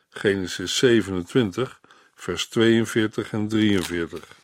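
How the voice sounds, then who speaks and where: A man reading a scripted commentary on a Bible book, measured and deliberate, lifting his voice for quoted lines. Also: fairly low pitch, no room sound, studio quality. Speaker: Bible teacher.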